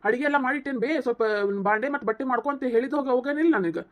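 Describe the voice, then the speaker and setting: A woman's high-pitched, rapid voice, lightly acted, gives life to a hot-tempered young husband in a cartoon comedy. With a North Karnataka Kannada accent, he insistently scolds and lectures while standing up for his wife against his mother.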